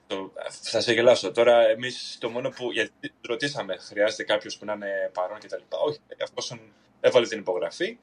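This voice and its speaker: A man's voice: on the low side, steady tone. A man from Greece chatting casually on a podcast over a video call, hesitant and full of fillers and restarts. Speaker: podcast guest.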